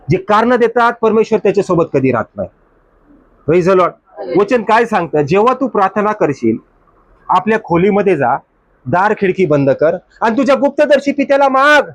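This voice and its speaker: A man delivering a church sermon in a high voice, pressing his listeners with rhetorical questions and parroting their excuses. The sound is dry and close. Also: dry recording. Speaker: pastor.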